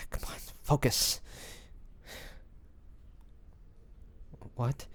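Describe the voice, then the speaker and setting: A man's voice: takes it slowly, close to an everyday voice. A man playing a devoted fantasy adventurer and healer in an audio roleplay, speaking intimately and earnestly. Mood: tender, regretful, urgent. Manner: intimate, earnest, with breathy sighs. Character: devoted fantasy adventurer and healer, tender toward his dragon beloved. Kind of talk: dramatic audio roleplay addressed to the listener.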